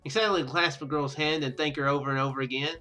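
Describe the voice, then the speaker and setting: A man reads through a visual novel on his gaming channel, adding casual remarks and tripping over lines before fixing them. He speaks quickly in a fairly high, bright voice that stays steady yet forceful. Faint music sits behind him.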